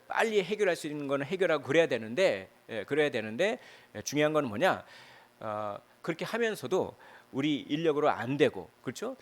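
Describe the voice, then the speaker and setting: A male pastor preaching a Sunday sermon in a church, chatty and animated, with many fillers and rhetorical questions. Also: a little high. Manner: animated, piling up emotional verbs. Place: church sanctuary.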